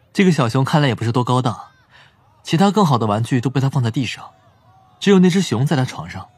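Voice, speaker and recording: An actor playing an astute, gentle psychologist detective in an audio drama. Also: male voice, medium pitch, sing-song, fairly quick, slightly rough, no room sound. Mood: keen, amused.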